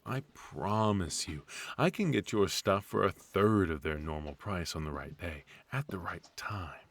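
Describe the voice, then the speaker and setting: A man playing a smug, fussy retired supervillain husband in an intimate comedic ASMR roleplay, with a husky, mock-sinister delivery. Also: deep voice, a little slow. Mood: teasing, exasperated.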